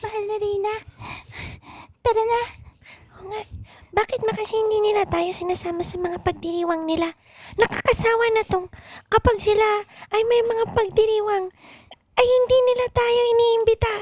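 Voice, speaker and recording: A little dwarf royal with an extremely high, squeaky voice. The character is whiny and grumbling, bossing humans about in a comic improvised radio drama. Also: female voice, fairly even intonation, moderate pace, pauses often, darkish tone. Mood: indignant, plaintive. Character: squeaky grumbling dwarf queen and her dwarf companion.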